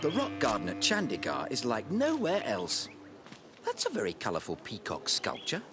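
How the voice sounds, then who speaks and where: An actor voicing a polite, earnest young bear in a cartoon. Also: male voice, medium pitch, huge pitch swings, normal speed. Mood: earnest, observant. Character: polite, earnest young male bear from Peru, well-meaning. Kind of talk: animated cartoon character acting. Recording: loud music under the voice. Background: music.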